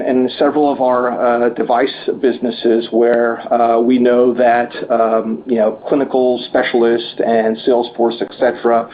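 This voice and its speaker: A man, a company executive answering analyst questions on a conference call, speaking haltingly and often repeating words as he goes. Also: medium pitch. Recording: muffled conference line with background noise.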